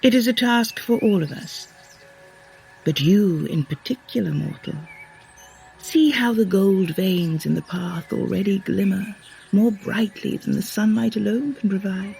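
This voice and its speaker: A woman's voice: medium pitch, a little slow, gravelly, warm tone, soft background music, rough recording. Female goddess role for audio drama: commanding, solemn guide, formal diction, mid-range voice. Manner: formal, authoritative, instructing. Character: commanding, solemn Norse goddess guiding mortals. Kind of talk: scripted audio drama acting.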